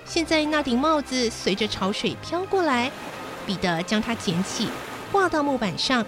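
A woman's voice: a little high, animated, moderate pace. A woman hosting a children's show, narrating a bedtime story expressively. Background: background music.

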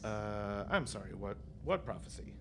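A man's voice: fairly low pitch, lively intonation, normal speed, background noise. A man playing a bumbling, indignant fleet captain with flustered, theatrical delivery in a comedy sci-fi audio drama.

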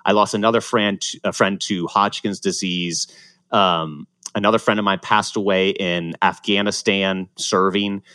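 Earnest, reflective man, low voice. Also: fairly even intonation, a little slow, bright, forceful tone, dry recording, clean studio sound. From Ohio, USA, born in Ecuador. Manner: earnest, reflective, frequent restarts. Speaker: guest, former pro triathlete. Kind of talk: casual interview storytelling.

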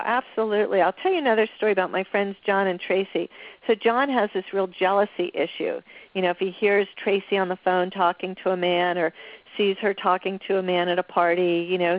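A woman's voice: mid-range voice, no room sound. A woman guest explains her ideas through confident, conversational stories. She has a mid-range voice. The recording sounds dry and a bit dull. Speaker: relationship author guest. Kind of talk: storytelling interview answers.

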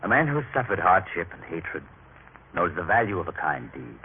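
An actor playing a kind, humble Samaritan traveler in an earnest, measured old radio drama style. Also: male voice, low voice, very animated. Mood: gentle, caring. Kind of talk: old-time religious radio drama acting. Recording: tinny, noisy vintage radio recording.

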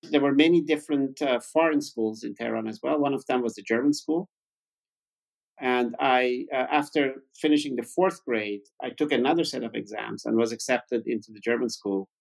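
A man's voice: mid-range voice, moderate pace, gravelly, rough recording. A man in his fifties from Iran, a native Farsi speaker, telling his story conversationally as an interview guest. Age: 50s. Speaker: interview guest, tech founder.

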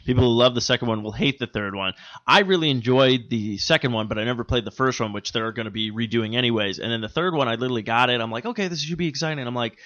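A man's voice: medium pitch, fast, a bit bright, lo-fi sound. A man co-hosting a casual gaming chat, rambling and acting out what others said. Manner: rambling, heavy on "like" and quoted asides. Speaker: podcast co-host.

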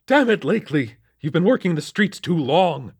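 A man voicing a paranoid, half-mad older police captain who shouts and cackles. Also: on the high side, very animated, normal speed, breathy edge, no room sound, voice pushed up, heavily acted. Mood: agitated. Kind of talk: audiobook character voice.

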